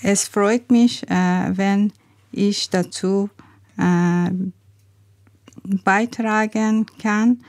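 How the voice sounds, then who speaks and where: A woman from Iran with an Iranian accent, a guest in a radio interview, speaking haltingly with many pauses and fillers. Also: medium pitch, fairly even intonation, a little mellow, no room sound, studio quality. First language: Farsi and Azeri. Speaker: health navigator guest.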